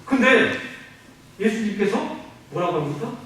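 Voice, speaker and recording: Animated pastor preaching in an echoey hall. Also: male voice, high-pitched, a little slow. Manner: animated, asks the congregation questions and answers them. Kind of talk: sermon. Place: church sanctuary. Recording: very echoey hall, mic at a distance.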